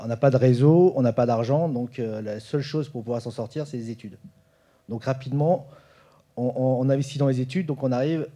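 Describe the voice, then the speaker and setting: Man in his forties, very dark mellow tone, halting panel talk with frequent fillers. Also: mid-range voice. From France. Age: 40s. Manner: hesitant, many fillers and restarts. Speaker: roundtable panelist. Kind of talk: informal conference talk. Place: conference room.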